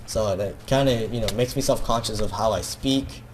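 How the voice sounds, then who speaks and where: A man's voice: on the low side, moderate pace, background noise. Hesitant rambling man, Filipino accent. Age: teenager. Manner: hesitant, self-conscious, many fillers and restarts. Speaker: gaming video creator. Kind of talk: casual rambling monologue.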